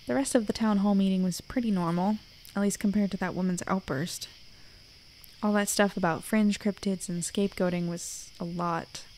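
Audio drama lead, played by a woman: guarded, candid female investigator, medium pitch, light insect-like background noise. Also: steady tone, moderate pace, darkish tone, natural voice, low-quality recording. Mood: musing. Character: wary, frank young woman investigator, secretly human. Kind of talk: audio drama narration and dialogue.

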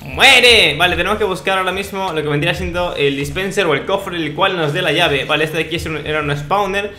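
A young man with a high, bright voice commentates casually over a video game. He talks in playful slang and boasts in jest. The sound is roomy and echoey. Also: brisk. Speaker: gaming video host. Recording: roomy echo, faint noise, clicks.

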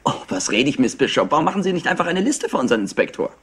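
An actor playing a clever, overexcited and smug rich nephew in a German crime drama, talkative and theatrical. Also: male voice, a little high, very animated, very fast, fairly bright tone, breathy edge, heavily acted. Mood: eager, theatrical. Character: highly intelligent, overexcited, smug nephew of an industrialist. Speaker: actor dubbing a suspect. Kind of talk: German crime drama dub, animated acting.

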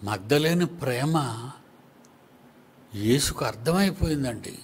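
A man's voice: mid-range voice, expressive, slow pace, husky. A man preaching a sermon to his congregation, teasing the listeners with rhetorical questions.

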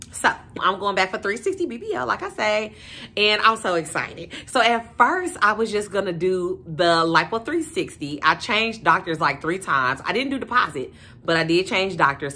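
Bright-voiced slangy woman vlogger. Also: mid-range voice. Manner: animated, slangy, addresses viewers as y'all and sis. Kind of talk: casual vlog chat to camera.

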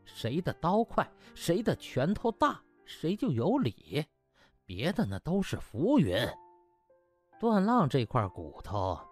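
A man's voice: fairly high pitch, a little mellow. A man narrating an audiobook in a dramatic, colloquial storytelling style, theatrical with rhetorical questions and exclamations. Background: background music.

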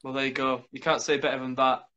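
Fast-talking enthusiastic male host. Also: mid-range voice, flat delivery, sharp tone, lo-fi sound. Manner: quick, enthusiastic and chatty. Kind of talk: casual chat. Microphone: video call.

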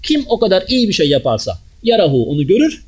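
A man giving a Friday sermon in a mosque, preaching in a lively way and throwing rhetorical questions at the congregation. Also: high voice, fast talker.

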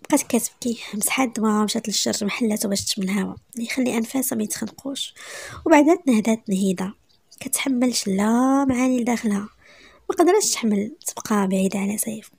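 A woman with a Moroccan accent narrating a romantic story in a dramatic, sometimes hushed way. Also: on the high side, quick pace, creaky, slightly rough.

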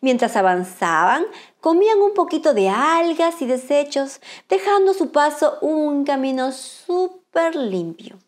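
High, sing-song woman storyteller for children. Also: big pitch swings, unhurried. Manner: bright sing-song, exaggerated welcome to children. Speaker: children's storyteller, channel host. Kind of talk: expressive read-aloud of a picture book for children.

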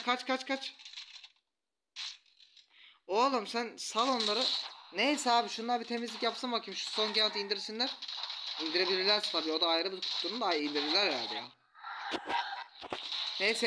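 A man commentating a mobile strategy game, taunting the enemy troops with rough slang. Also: high-pitched, fairly quick, long pauses. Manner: taunting, trash-talks enemies, rough slang. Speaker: gaming YouTuber. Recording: loud background noise.

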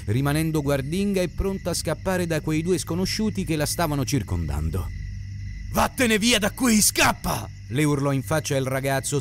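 A man reading an Italian novel aloud as narrator, in an expressive, dramatic style. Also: fairly high pitch. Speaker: audiobook narrator. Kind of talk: scripted narration.

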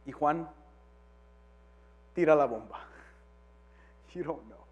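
A male pastor preaching a sermon, moving from quiet talk to shouts and dropping English phrases into his Spanish. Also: fairly high pitch, takes it slowly, big-room sound, highs cut off.

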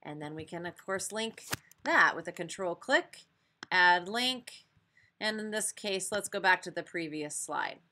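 American lady teacher walking thru software step by step, bright voice, bit of background hum. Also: lowish voice, lively intonation, measured pace. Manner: explanatory, step-by-step. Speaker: teacher presenting a webinar. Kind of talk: spoken software tutorial over screen demonstration.

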